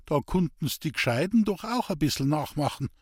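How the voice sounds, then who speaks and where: Man voicing a simple Bavarian peasant woodcutter, storybook, raised husky voice, earnest. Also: fairly high pitch, animated, normal speed, darkish tone, dry recording, clean studio sound, voice pushed up. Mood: eager, simple. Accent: Bavarian dialect. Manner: eager, pleading, naive. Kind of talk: audiobook character voice.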